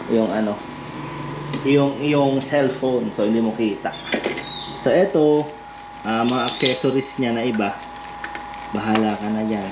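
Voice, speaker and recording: A Filipino man hosting a vlog, chatting casually and jokingly while demonstrating a product in an informal, buddy-like way. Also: fairly low pitch. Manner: jokey, informal, addresses listener as brother. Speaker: vlog host giving away and demonstrating a product. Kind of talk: casual chat and hands-on demonstration. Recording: noisy lo-fi recording with vehicle ambience.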